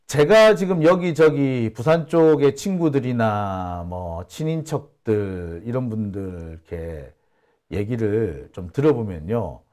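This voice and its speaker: A middle-aged man from Busan hosting casual political commentary, telling stories and affirming himself with short "ye" interjections. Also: medium pitch. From Busan, South Korea. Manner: animated, storytelling, frequent "ye" affirmations. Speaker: YouTube channel host.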